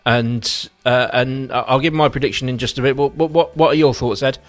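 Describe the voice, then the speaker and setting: A man's voice: mid-range voice, steady tone, brisk, faint music behind. A man presenting a local radio sport slot, chatty and teasing, with plenty of ums and restarts. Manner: chatty, teasing, loose with fillers. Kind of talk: hosting a football predictions segment.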